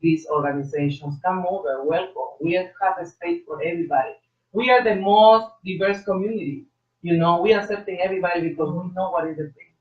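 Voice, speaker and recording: A trans woman guest on a call-in radio discussion, speaking passionately in halting bursts with many repeated words. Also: fairly low pitch. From South Florida. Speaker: guest, agency leader. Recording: echoey, distant, dull sound.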